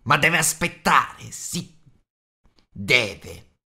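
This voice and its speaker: A man voicing a slimy, hissing cave creature that talks to its precious in a whiny, drawn-out way. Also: mid-range voice, animated, pushed and bright, heavily acted. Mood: sly. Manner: hissing, speaks to itself as "my precious"; drawn-out, slow whiny delivery.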